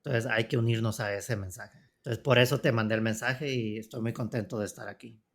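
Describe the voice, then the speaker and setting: Guest psychotherapist, northern Mexican man in his forties, calm and reflective. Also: mid-range voice, a little fast. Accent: northern Mexican Spanish. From Tijuana, Mexico. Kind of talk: personal testimony in interview.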